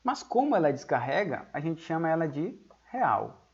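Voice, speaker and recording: Guy teaching a physics class, keeps checking everyone gets it, spells out terms slow, kinda muffled audio. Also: a little high, big pitch swings, vocal fry, husky. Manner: explains patiently, keeps checking understanding with the students; dictates key terms slowly for note-taking. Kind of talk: classroom lecture. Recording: dull lo-fi audio.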